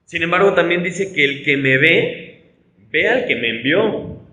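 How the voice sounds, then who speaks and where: A man's voice: a little high, expressive, unhurried, sharp tone, reverberant, poor audio. A man from Mexico with a Mexican Spanish accent, a pastor teaching a conversational Bible study, explaining with rhetorical tags and frequent restarts.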